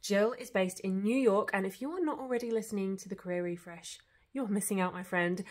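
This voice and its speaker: An animated voice with an English accent and ordinary pitch variation on a very clean recording with a silent background. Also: woman. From England, Essex. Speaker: doctor and youtuber. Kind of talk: interview conversation. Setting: podcast interview.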